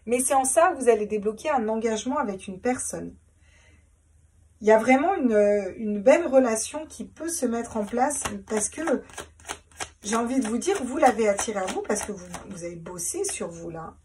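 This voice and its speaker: A woman's voice: on the high side, expressive, normal speed, distant mic, background noise. A woman doing a casual tarot reading, chatty, repeating herself and laughing at her own jokes. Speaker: tarot reader.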